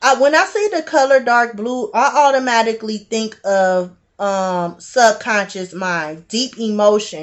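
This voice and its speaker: A woman with a slight Southern US accent, fairly high pitch, lively intonation, a fairly slow pace and hardly any pauses. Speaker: tarot reader. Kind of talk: tarot reading. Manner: animated.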